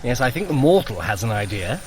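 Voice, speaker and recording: An actor playing a sly, clever trickster god in an audio drama, with a wry, theatrical, condescending manner. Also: male voice, mid-range voice, big pitch swings, a little fast, slight background noise, natural voice, low-quality recording. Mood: wry, teasing.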